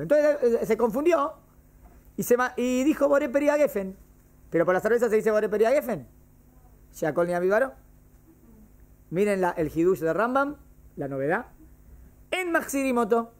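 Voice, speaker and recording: Man, religion teacher, patient classroom explainer who keeps quizzing his students. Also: sits high. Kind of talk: classroom lesson on Jewish law.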